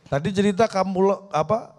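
Male comedy judge, slightly high voice, deadpan mock-serious teasing. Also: fairly quick. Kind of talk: bantering critique on a TV comedy show. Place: TV studio.

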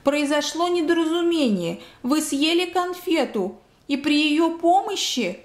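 Casting: woman reading a kindly male children's doctor, pleading and frantic, higher pitched, roomy sound. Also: lively intonation, a little slow. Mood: desperate. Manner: pleading, shouting up in despair. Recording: roomy echo.

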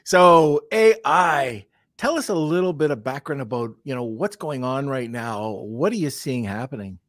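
A man hosting a business podcast in a lively, chatty way, introducing guests and reading sponsor spots. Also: mid-range voice, moderate pace, no room sound, studio quality. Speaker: podcast host. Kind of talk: podcast interview.

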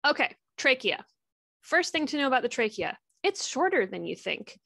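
A woman's voice: sits high, sing-song, normal speed, vocal fry, bright, forceful tone, dry recording, clean studio sound. A woman giving a recorded histology lecture, chatty and upbeat, with jokey asides and frequent ums.

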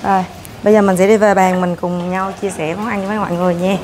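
Casting note: woman in her 30s, chatty buffet vlogger on a lapel mic, steady mid voice, dishes clinking clearly behind. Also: medium pitch, fast, noisy background. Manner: chatty, narrating while serving herself food. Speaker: food vlogger. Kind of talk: casual walkthrough vlog. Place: hotel breakfast buffet room, indoors. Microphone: clip-on lapel mic.

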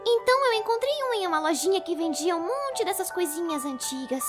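Woman as a sweet insistent little girl, very high voice, swooping intonation, eager, comic dub drama. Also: big pitch swings, a little fast, over loud music. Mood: shy, caring. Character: cheerful, caring young girl, gently insistent.

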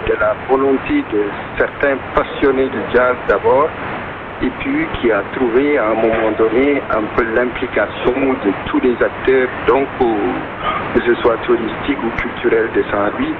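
Over noisy, muffled shortwave, a man answers interview questions. He feels his way through each phrase haltingly. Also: mid-range voice. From Senegal. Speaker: festival organizer being interviewed. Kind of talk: spontaneous radio interview answers. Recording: noisy, dull shortwave radio reception.

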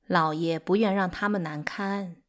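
A woman's voice: fairly low pitch, fairly even intonation, normal speed, lightly acted. A woman voicing a sensible, weary wife who keeps the peace in an audiobook, plain and firm. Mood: resigned. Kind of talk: audiobook character acting.

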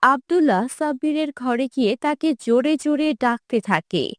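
A woman narrating a children's cartoon story in a gentle manner. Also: sits high, lively intonation, normal speed, no echo. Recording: dry voice over children's music.

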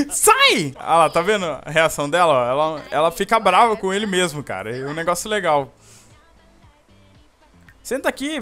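Talking to the characters on screen, a young Brazilian man jokes his way through a casual let's play. He has a Brazilian Portuguese accent and a slightly high voice with a fairly bright tone.

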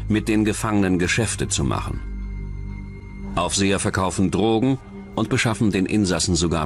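A man narrates a true-crime documentary from a script. His voice sits on the low side, and soft music plays underneath him. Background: background music.

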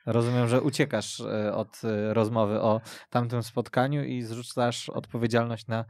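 A man's voice: mid-range voice, flat delivery, moderate pace, a little mellow, no room sound, clean studio sound. A man hosting a radio sports podcast, steering the talk and prompting his guests with questions. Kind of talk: casual sports discussion. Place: radio studio.

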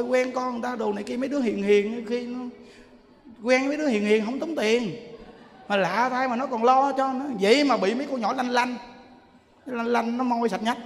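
A man giving a lively dharma talk, telling stories and exclaiming as he preaches. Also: very high-pitched. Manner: animated, exclaiming, quick shifts between loud and soft. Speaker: monk preacher. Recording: long hall reverb.

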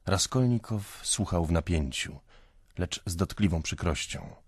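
Deep, slow male audiobook narrator. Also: animated, husky, dry recording, clean studio sound. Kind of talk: scripted literary narration.

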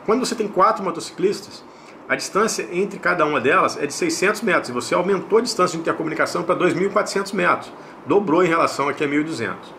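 A Brazilian man with a slightly high voice presents a product in a casual review style. He explains each detail, often repeating a point and adding short check-in questions. A faint layer of background noise sits behind him. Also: fast talker, vocal fry, sharp tone. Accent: Brazilian Portuguese. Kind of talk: casual unboxing and review narration.

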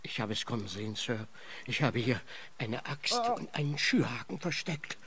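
An actor playing a loyal, long-serving butler, anxious and deferential, in a radio play. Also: male voice, medium pitch, lively intonation, moderate pace, fairly bright tone.

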